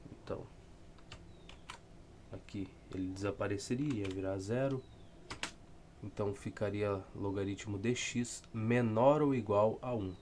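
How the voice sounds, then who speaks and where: A math tutor with a southern Brazilian accent and a lowish, slightly mellow voice rambles through textbook problems in an informal lesson, thinking aloud with dry, self-deprecating wit. There is slight background noise.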